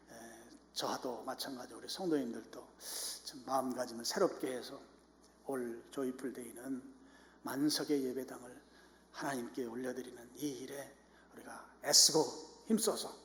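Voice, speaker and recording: A Korean man preaching a sermon as pastor, moving from calm explanation to loud, impassioned urging of his congregation. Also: mid-range voice, a little hiss or hum. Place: church sanctuary. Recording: echoey church hall.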